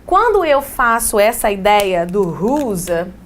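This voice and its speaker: A woman's voice: mid-range voice, sing-song, slow pace. A woman giving a casual exam-prep English lesson, talking straight to her students. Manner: casual, chatty teacher who addresses students directly. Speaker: English teacher.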